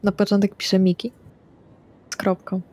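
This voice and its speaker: A woman's voice: mid-range voice, completely flat delivery, normal speed, darkish tone. A woman playing a tabletop roleplaying game, chatting casually in and out of character.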